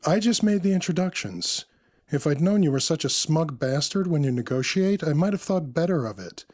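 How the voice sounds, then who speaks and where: A man voicing a sassy, polished woman, teasing and wry with a brisk manner, in an audio fiction story. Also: fairly high pitch, expressive, darkish tone, pitched above the performer's own voice.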